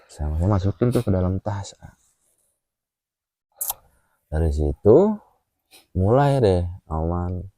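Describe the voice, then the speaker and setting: A man telling his personal experience in a casual chat, animated and full of fillers. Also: low voice, slow pace, pauses often, dry recording. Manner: animated, with frequent filler "ah" and "A", acts out gestures while telling.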